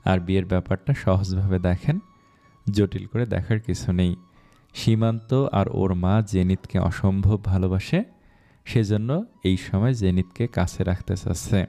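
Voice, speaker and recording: A man's voice: deep voice, steady tone, a little slow, creaky, mellow. Man voicing a reassuring fatherly uncle. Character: kind, persuasive older father figure.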